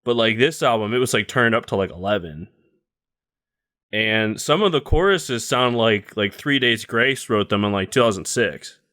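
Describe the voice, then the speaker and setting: A young male podcast co-host with a lowish, expressive voice speaks at a moderate pace, his tone pushed and bright. In casual chat he gives blunt opinions, leaning heavily on "like" and swearing freely.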